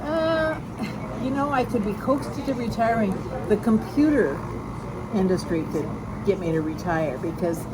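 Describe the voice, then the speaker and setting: A woman in her seventies answering interview questions casually and haltingly, thinking aloud as she goes. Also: medium pitch. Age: 70s. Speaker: guest, psychologist. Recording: loud vehicle and outdoor background noise.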